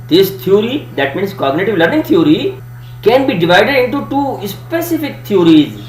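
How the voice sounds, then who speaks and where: A man's voice: high-pitched, sing-song, normal speed. A man with a South Asian accent and Urdu as his native language gives an educational presentation in an emphatic, didactic manner. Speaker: student presenter giving a lesson. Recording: echoey room, faint hum and hiss.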